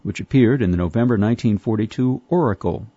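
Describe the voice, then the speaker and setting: A man reads an article aloud in a measured, formal manner with steady phrasing. His voice sounds dark and slightly husky. The recording is dry, dull and lo-fi. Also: on the low side, no echo. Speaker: reader of a magazine article. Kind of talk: scripted narration.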